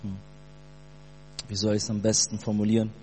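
A Brazilian-born man in his late twenties giving a fervent church testimony, halting often with fillers. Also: lowish voice, completely flat delivery, a little mellow. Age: 20s. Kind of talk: sermon testimony. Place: church hall. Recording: long hall reverb, mains hum.

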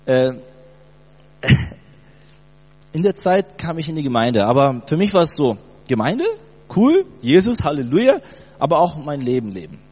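A man in his late twenties from Brazil, telling his personal faith story in a casual, animated way with youth slang. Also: fairly high pitch, a little slow, long pauses, breathy edge. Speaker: church testimony speaker. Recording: long hall reverb with mains hum.

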